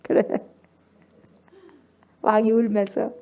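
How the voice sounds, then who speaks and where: A woman's voice: a little high, level tone, slow pace, creaky, dark tone, muffled recording. A woman pastor preaching a sermon, speaking emphatically, asking the congregation questions and acting out scripture with feeling. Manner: emphatic, asks the congregation questions and acts out scripture with rising emotion.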